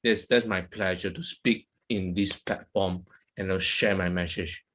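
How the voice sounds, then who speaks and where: A man from Malaysia, speaking in halting, hesitant phrases over a video call. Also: low-pitched, steady tone, a bit bright. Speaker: guest speaker.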